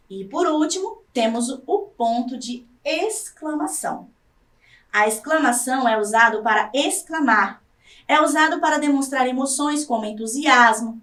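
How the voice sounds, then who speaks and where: Lively high-voiced woman teaching, roomy sound. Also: far from the mic. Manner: slow, explanatory, checks in with "né?" and "certo?". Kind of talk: recorded classroom lesson.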